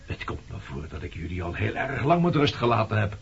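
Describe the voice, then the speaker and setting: A man's voice: fairly low pitch, sing-song, a little fast, gravelly, breathy edge, full character voice. An actor in a Dutch radio play playing a sardonic man back from the past, coolly needling and provoking. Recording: dull, noisy old radio play recording.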